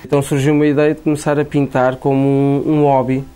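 A man's voice: mid-range voice, little pitch movement, fast talker, dark tone, smooth. A man born in Angola, a painter, speaking in a casual interview, often repeating words while he thinks.

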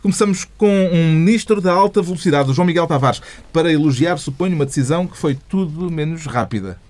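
A man's voice: a little high, fast, darkish tone. A man with a European Portuguese accent, hosting a radio show and asking wry, playful questions. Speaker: host.

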